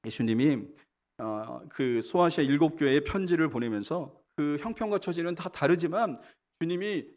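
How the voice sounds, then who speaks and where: A man's voice: fairly high pitch, moderate pace. A man, a senior pastor, preaching a sermon that opens with a story and speaks directly to the congregation. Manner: storytelling, animated delivery, addresses congregation directly.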